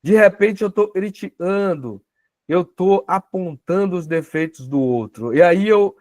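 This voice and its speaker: Brazilian male teacher, slightly high voice, dry close sound, chatty, asks the room questions. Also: a little slow, a little mellow, no echo. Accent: Brazilian Portuguese. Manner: conversational, tag questions, acts out dialogues. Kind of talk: spiritual self-knowledge class.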